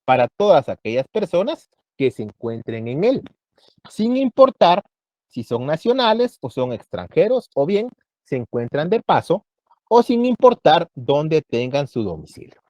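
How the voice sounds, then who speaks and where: A man teaching a university law class, explaining each point slowly and checking in with his students again and again. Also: a little high, big pitch swings, a little mellow, dry recording. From Guatemala. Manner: explanatory, checks understanding with frequent "¿verdad?". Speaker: law lecturer. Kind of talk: university lecture.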